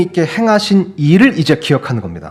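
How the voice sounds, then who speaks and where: A man with an unremarkable speaking voice, fairly high-pitched, with lively intonation. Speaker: pastor. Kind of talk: sermon.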